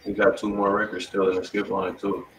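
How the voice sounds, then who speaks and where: Distant, roomy-sounding American man, low voice. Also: monotone, a little fast, a bit bright. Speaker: livestream co-host. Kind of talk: casual slangy banter. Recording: roomy, distant mic, faint noise.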